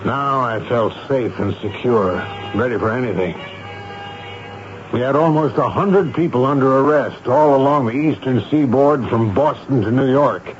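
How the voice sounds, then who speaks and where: An actor playing a stern, authoritative army major in a 1970s radio drama. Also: male voice, medium pitch, natural voice. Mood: measured, confident. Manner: authoritative, brisk, urgent. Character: stern, commanding army major recounting and leading a manhunt. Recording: muffled, very noisy 1970s radio recording.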